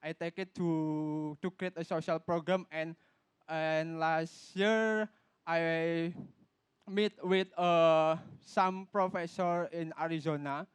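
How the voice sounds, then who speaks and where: A man from Indonesia with an Indonesian accent, giving a public talk in halting English with many fillers and restarts. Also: a little high, fairly even intonation, clean tone, no echo. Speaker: speaker at a youth talk event. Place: event stage.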